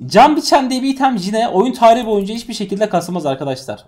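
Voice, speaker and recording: A young man giving live gameplay commentary, ranting in exasperation and swinging between loud yells and low grumbles. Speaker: gaming streamer.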